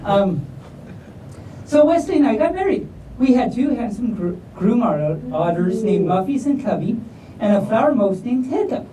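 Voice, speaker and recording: A woman's voice: fairly high pitch, sing-song, normal speed, warm tone. A woman reading a picture book aloud at a live event, theatrical and jokey, breaking off for playful asides. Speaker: storytime reader. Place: live convention room with audience. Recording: echoey room, distant mic, faint noise.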